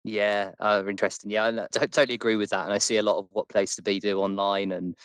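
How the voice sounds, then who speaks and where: A man's voice: fairly low pitch, little pitch movement, fast, clear, resonant tone, no room sound. A man hosting a podcast, asking long, rambling questions full of restarts. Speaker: podcast host. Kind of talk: casual interview chat.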